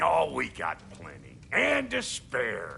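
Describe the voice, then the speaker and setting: A man uses a put-on character voice, raspy and gruff. He speaks at a very slow pace over clear background noise. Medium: video game. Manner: gruff, slangy.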